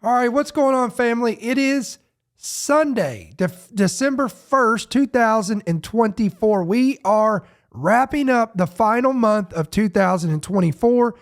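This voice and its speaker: A man's voice: extremely high pitch, lively intonation, measured pace, soft background music. A man hosting a news podcast, sniffly with a head cold, talking off the cuff in a rambling, casual way with many restarts. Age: adult parent. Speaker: podcast host.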